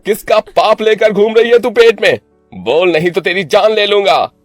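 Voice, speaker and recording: A man's voice: sits high, moderate pace, no echo, faint music behind, voice pushed up, lightly acted. A man voicing a harsh, proud young man in a cartoon, stern and menacing. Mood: furious.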